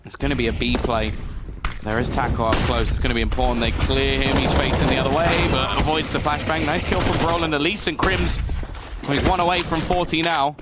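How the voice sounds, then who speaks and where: A man gives esports caster commentary in a medium-pitched voice. He follows the play and analyses it as it unfolds. Clicks and gunfire from the game run clearly behind his voice. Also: steady tone, brisk, heavy background noise. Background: video game gunfire and clicks.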